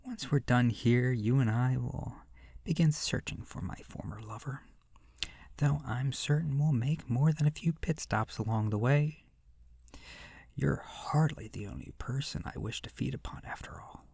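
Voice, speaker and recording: Slow, creaky, seductive vampire, acted out by someone. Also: mid-range voice, a little mellow, no room sound, clean studio sound. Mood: predatory, teasing. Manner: slow, breathy near-whisper, theatrical and menacing. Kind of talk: scripted horror audio roleplay, ASMR.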